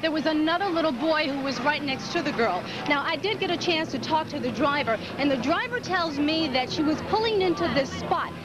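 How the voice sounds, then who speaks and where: A woman's voice: high-pitched, expressive, a little fast, hardly any pauses, loud music behind the voice, poor audio. A woman with an American accent giving an emphatic, explanatory live-style television report from outdoors at the scene. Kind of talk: unscripted on-scene news report.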